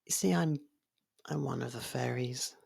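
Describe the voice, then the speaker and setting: A woman voicing a possessive, softly menacing fairy royal in love, coaxing in an ASMR roleplay and slipping into whispers. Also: rumbling low, normal speed, gravelly, husky, heavily acted. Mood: possessive, calm menace.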